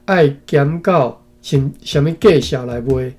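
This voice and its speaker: A man's voice: medium pitch, darkish tone. A man from Taiwan reads a historical text aloud in short phrases and stops often to add his own comments and tag particles. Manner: reads slowly in phrases, adding asides and frequent tag particles. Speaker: reader and commentator.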